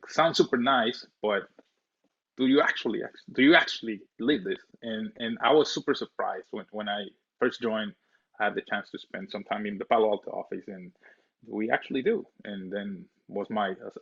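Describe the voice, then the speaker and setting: A man's voice: lowish voice, fairly bright tone, breathy edge, lo-fi sound. A man from El Salvador talking casually as a webinar co-host, often repeating his words.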